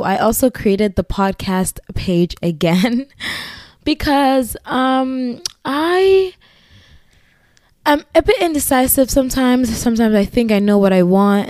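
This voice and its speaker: A woman's voice: medium pitch, a little mellow, no echo, studio quality. A woman with a Ghanaian accent hosting her own podcast solo, chatting in a rambling, giggly way with asides. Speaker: podcast host. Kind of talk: casual solo podcast chat.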